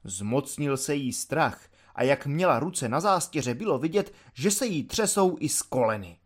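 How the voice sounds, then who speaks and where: A man narrating a story in an audiobook with expressive storytelling. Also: mid-range voice, breathy edge.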